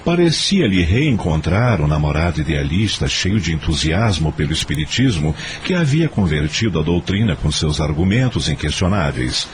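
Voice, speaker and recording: A man's voice: very deep voice, very animated, normal speed, hardly any pauses, slight background noise. A Brazilian man narrating a radio drama in a scripted storytelling style.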